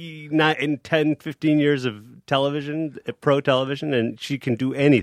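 A man with an American accent speaks in a plain, everyday voice at a fairly high pitch. His intonation stays fairly even, and the sound is dry and close with no echo. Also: moderate pace. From Chicago, US. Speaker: actor and director. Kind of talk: casual chat.

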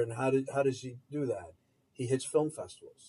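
A man's medium-pitched, somewhat breathy voice with an American accent, dark and mellow in tone, at a moderate pace. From New Jersey. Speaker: interviewer. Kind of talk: interview.

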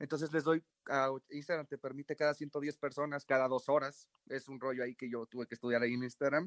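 A very fast, monotone, flat-sounding man's voice at a fairly high pitch, dry and close with no echo. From Mexico, Guadalajara. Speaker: independent musician, caller. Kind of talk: casual question from caller.

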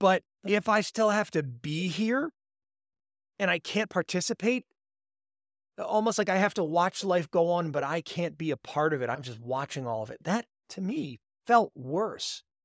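A man with a Philadelphia accent and a high pitch speaks at a moderate pace, leaving long, frequent pauses, his pitch swinging very widely. The recording is very clean with a silent background and a dry, close sound with no echo. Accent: Philadelphia-area American English. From US Mid-Atlantic (Philadelphia area). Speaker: keynote speaker and entrepreneur, former piano bar performer. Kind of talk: casual interview chat.

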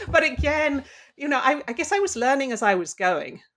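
In a London accent, a woman speaks at a fairly quick pace with very wide pitch swings. The recording is very clean, with a silent background. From London, England. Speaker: poet and fiction writer. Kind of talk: interview. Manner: halting.

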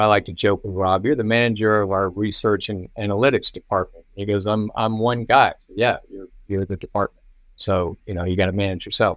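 A plain, everyday voice with an American accent, moving at a fairly quick pace with fairly even intonation. The background is quiet. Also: man, fairly low pitch for a man. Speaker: former fighter pilot and air safety executive. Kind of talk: casual interview chat.

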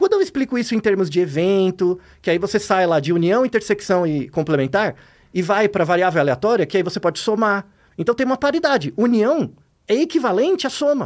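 A man's high-pitched voice at a fairly quick pace, very wide pitch swings and very even loudness. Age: 40s. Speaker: psychologist and researcher. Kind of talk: casual interview chat. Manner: halting, many repetitions and fillers.

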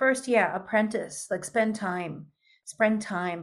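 A woman with an American accent speaks in an ordinary speaking voice, her pitch varying in an ordinary way. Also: quiet background. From New York, Argentine family. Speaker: hypnosis teacher and healer. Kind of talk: interview. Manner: fast.

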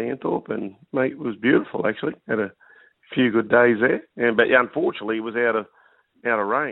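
A man with an Australian accent, medium pitch and a fairly quick pace. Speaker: former rugby league player. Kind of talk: casual interview.

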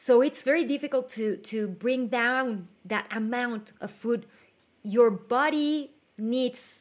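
A woman speaks with a Spanish accent at a very slow pace. Her voice is high, with ordinary pitch variation. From Mexico City. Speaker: health coach and author. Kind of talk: interview.

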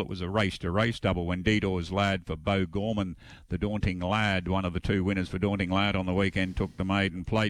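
A man with an Australian accent speaks at a fairly quick pace in a very clean recording with a silent background. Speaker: racing radio presenter. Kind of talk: radio sports chat.

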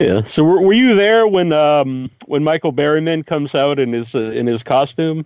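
Hardly pausing, a man with a normal speaking voice talks at a moderate pace with a fairly high pitch and lively intonation. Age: 40s. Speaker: podcast host. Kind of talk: interview.

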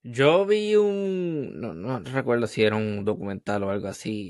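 A man with a Puerto Rican accent, recorded with a dry, close sound and no echo. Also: quiet background. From Puerto Rico, Coamo. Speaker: podcast host. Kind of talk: interview.

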